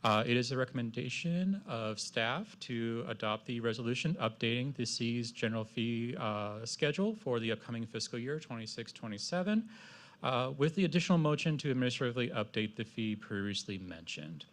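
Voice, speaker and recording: A man giving a formal staff presentation at a public meeting, speaking in a halting, procedural way. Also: mid-range voice, lively intonation. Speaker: city staff member presenting.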